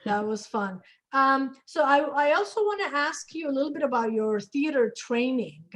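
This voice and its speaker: A woman hosting a casual interview, framing her questions in a measured way with pauses. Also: high-pitched, lively intonation, a bit bright. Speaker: interviewer, panel host.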